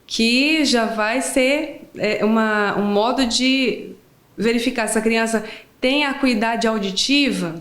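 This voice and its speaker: A woman's voice: fairly high pitch, slow pace, a bit bright, roomy sound. A woman in her forties, a speech therapist, explaining things in a friendly way during an interview and checking in with the listener as she goes. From Brazil.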